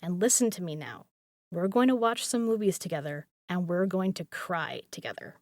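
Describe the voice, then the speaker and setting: A woman's voice: lowish voice, normal speed, a little mellow, no room sound, close to an everyday voice. A woman acting a caring, teasing young roommate in an intimate audio roleplay, speaking casually with playful emphasis and some swearing. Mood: warm, teasing.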